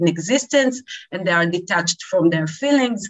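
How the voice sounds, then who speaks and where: A woman at medium pitch with an Israeli accent. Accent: Israeli, non-native English. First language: Hebrew. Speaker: filmmaker. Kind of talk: interview about spiritual awakening. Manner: halting.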